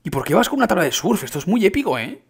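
Excitable husky young gamer man. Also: high-pitched, racing. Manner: excitable, exclaims often, addresses viewers as chicos. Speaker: gaming youtuber. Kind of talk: excited gameplay commentary.

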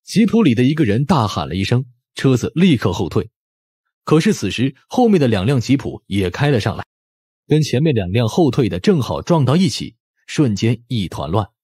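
Husky, expressive male audiobook narrator. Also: medium pitch, moderate pace, no echo, clean studio sound. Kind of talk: dramatic scripted narration.

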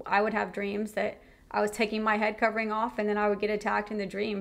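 A woman's voice: medium pitch, vocal fry. A young woman giving an earnest personal faith testimony, speaking frankly about her own experiences.

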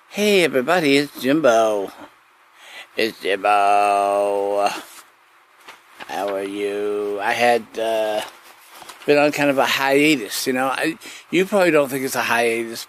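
A man hosting a podcast with a rambling comic monologue, often repeating his phrases. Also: medium pitch. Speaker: podcast host. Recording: noticeable background noise.

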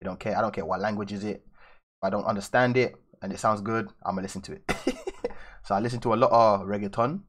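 Chatty young London man, lowish voice. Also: fairly even intonation, fast talker, a bit bright. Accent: London English. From raised in London, England. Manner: loose and chatty, answering viewers. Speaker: artist streaming live. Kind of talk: casual live-stream chat while drawing. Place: indoors at a drawing desk.

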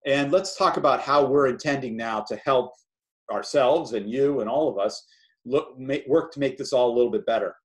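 A man's voice: mid-range voice, normal speed. A man giving an informal, explanatory webinar presentation as a project lead on a video call. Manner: conversational, explanatory.

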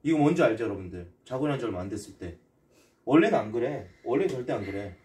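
A man chats on a live stream, his voice at a middle pitch. He pleads and repeats the same question over and over. He sits slightly away from the mic. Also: big pitch swings, fast, a little mellow, recorded from a distance. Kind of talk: casual chat on a live stream.

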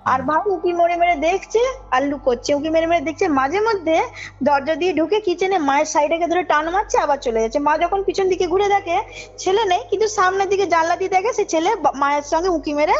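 This caller's voice is very high and her delivery brisk as she shares something from her own life in a casual, forceful way, repeatedly making sure the other person keeps up. Loud music in the background buries the muffled line.

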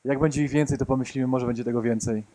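Man, thirties, soft dark tone, dry close sound, handheld mic, meetup talk, joking, stumbles over words. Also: medium pitch, fairly even intonation, racing, dry recording. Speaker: conference co-speaker. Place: conference room with audience. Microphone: handheld microphone.

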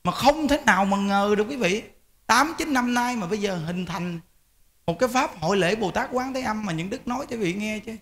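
Animated monk giving a talk. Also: male voice, high-pitched, fairly quick. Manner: animated, emphatic, repeats words, addresses listeners directly. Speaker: Buddhist monk teaching lay followers. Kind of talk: informal dharma talk.

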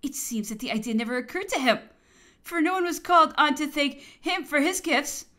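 A woman narrating an old memoir at a measured pace. Her voice sits high and sounds bright and clear, with an amused laugh now and then. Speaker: audiobook reader.

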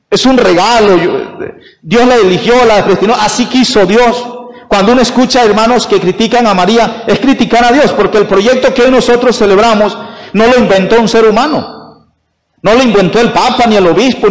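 High-pitched priest giving a sermon, punchy, keeps asking the crowd questions, big church echo. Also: male voice. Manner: emphatic, rhetorical questions to the congregation. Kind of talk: sermon at Mass. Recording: long church reverb.

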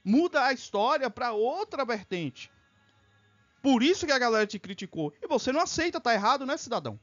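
A man's voice: very high voice, very animated, fairly quick, a bit bright, dull audio, faint music behind. A man hosting a live reaction stream, arguing heatedly and swearing as he reacts to a video. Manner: fiery, profane, argumentative.

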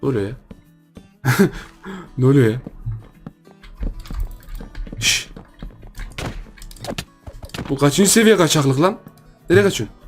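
A young man giving jokey, excitable Minecraft gameplay commentary, talking to viewers and teasing his opponents. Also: medium pitch, slow pace, long pauses, faint music behind. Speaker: gaming YouTuber.

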